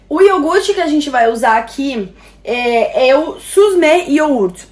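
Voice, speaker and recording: A young woman hosting a casual home cooking show, chatty, often checking in with listeners. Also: high-pitched. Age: young adult. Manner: chatty, with filler "tá?" tags. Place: home kitchen and living room, indoors.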